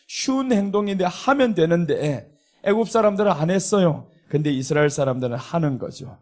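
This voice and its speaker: A man's voice: a little high, a little mellow. A middle-aged man preaching a sermon as a pastor, earnest and emphatic, with a Seoul Korean accent. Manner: earnest preaching, rising when voicing indignation.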